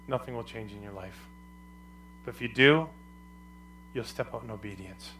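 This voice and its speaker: A male pastor preaching a sermon with a loud, carrying voice and emphatic, repetitive phrasing. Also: lowish voice, moderate pace, a little hiss or hum.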